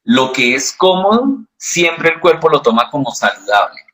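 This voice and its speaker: A man's voice: on the high side, moderate pace. A man answering as a voice specialist in an interview, explaining patiently and teaching with examples. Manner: calm, didactic, uses examples. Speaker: voice specialist guest.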